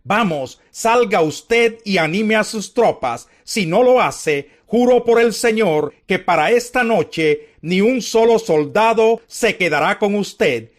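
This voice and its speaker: A man's voice: high voice, animated, slow pace, few pauses. A man voicing a stern army general who insistently reproaches his king in an audio Bible reading. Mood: rebuking.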